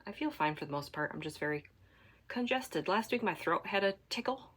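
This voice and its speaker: A woman from Michigan hosting a knitting podcast, chatting casually to camera at home while congested, rambling with fillers and soft asides. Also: mid-range voice, lively intonation, a little fast, slightly rough. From Michigan, USA.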